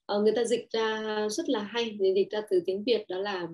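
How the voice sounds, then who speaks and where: A woman's voice: medium pitch, fairly even intonation, fairly quick, a little mellow. A woman giving an online talk on parenting and relationships, hesitant and full of fillers, acting out quoted lines in a raised voice.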